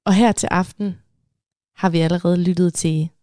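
A woman presenting a radio program, introducing the next podcast in a calm, clear way. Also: on the low side, no room sound, clean studio sound. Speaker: radio host.

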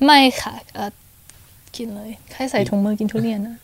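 A woman's voice: mid-range voice, fairly even intonation, moderate pace, vocal fry, breathy edge, no room sound. A woman guest on a podcast, chatting casually, switching between Thai and English and laughing often. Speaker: guest, beauty pageant contestant. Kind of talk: casual interview chat.

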